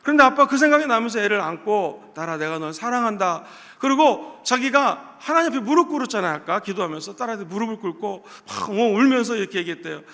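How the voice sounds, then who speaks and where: High, bright-voiced preacher in a reverberant church. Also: male voice, animated, quick pace, creaky, hardly any pauses. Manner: storytelling preacher, swells to loud exclamations. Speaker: pastor. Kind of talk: sermon. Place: church sanctuary.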